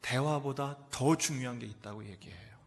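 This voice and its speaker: A man's voice: mid-range voice, moderate pace. Dramatic middle-aged male preacher, echoey hall. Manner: dramatic preaching, swinging from loud exclamations to near whispers; asks rhetorical questions and answers them. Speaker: pastor. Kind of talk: sermon. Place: church sanctuary. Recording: echoey church hall reverb.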